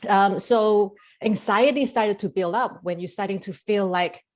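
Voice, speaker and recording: A woman's voice: mid-range voice, measured pace, a little mellow. A middle-aged woman from Indonesia speaks as a guest in a casual interview. She rambles a little, with frequent fillers and restarts. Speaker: life coach and hypnotherapist guest.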